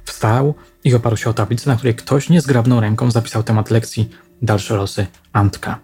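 A man narrating a crime novel audiobook with a steady, even reading. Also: medium pitch, brisk.

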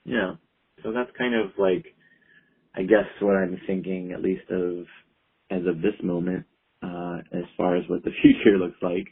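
On a tinny speakerphone line, a clinical herbalist joins as a guest for casual interview talk, rambling easily and filling his speech with "like" and "you know." His low, husky voice is unhurried, with fairly even intonation.

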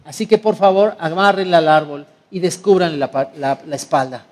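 Preacher doing a stern tribal chief, firm and solemn, high voice for a man. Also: brisk, darkish tone, natural voice. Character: stern but loving island tribal chief, adult man.

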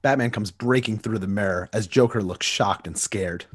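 A man's voice: on the low side, moderate pace, husky. A man co-hosting a podcast, reading out comic stage directions plainly. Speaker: podcast co-host. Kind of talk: narrating comic panels.

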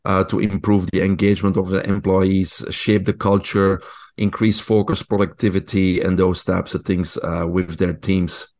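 Man, Belgian accent, fairly low voice, radio interview guest, motivational coach. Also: level tone, moderate pace, a little mellow. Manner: competitive, motivational storyteller.

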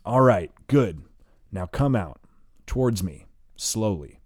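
Man voicing Merle, gruff calm leader. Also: lowish voice, takes it slowly, dry recording, studio quality. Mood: commanding. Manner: coolly commanding, drawling.

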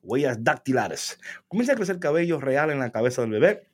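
A man's voice: medium pitch, sing-song, fairly quick, husky. A man co-hosting a casual chat, reading a text aloud, joking about its words, laughing often and slipping English into his Spanish. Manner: jokes about words he reads. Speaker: co-host.

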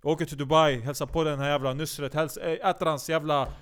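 A man delivering a rambling, profane comic monologue, jumping from loud outbursts to low mutters and often restarting his sentences. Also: fairly even intonation, clean tone. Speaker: comedic monologue host.

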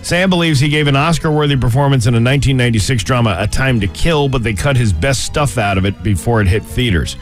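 A man's voice: mid-range voice, fast, hardly any pauses. Male radio co-host, faint music behind. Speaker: radio co-host reading entertainment news. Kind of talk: casual morning show banter and celebrity gossip report. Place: radio studio.

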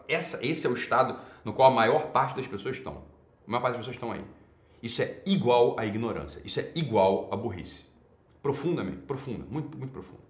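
Brazilian male streamer lecturing his chat with emphatic repetition; middle-pitched voice in a roomy space. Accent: Brazilian Portuguese. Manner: emphatic, repeats key words. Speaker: online talk host. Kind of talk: livestream talk answering chat.

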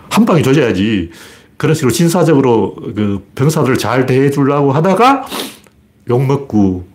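A man's voice: medium pitch, sing-song, moderate pace, a little mellow. A man hosting his own commentary broadcast, talking in a blunt, colloquial and argumentative way with many rhetorical questions. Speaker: political commentator.

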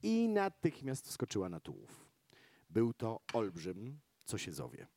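A man narrating a fairy tale theatrically and deliberately, with strong swings between hushed and loud delivery. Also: on the low side, wildly swooping pitch, slightly rough, no echo. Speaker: storyteller in a performed concert radio play. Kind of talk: dramatic fairy-tale narration, live storytelling. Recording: live concert with loud music. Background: loud live instrumental music.

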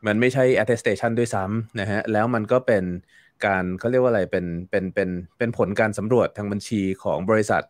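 As a guest commentator in a casual interview, a man with a lowish voice talks through a topic at length, leaning on fillers and repeating words as he thinks. His tone is steady and his pace a little fast, and the sound is dry and close, with no echo.

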